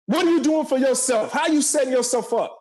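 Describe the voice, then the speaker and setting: A man in his forties speaks in a strikingly high register. He delivers motivational talk with a preacherly drive, hammering key phrases by repeating them. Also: quick pace, a little mellow. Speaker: podcast guest, motivational speaker and entrepreneur.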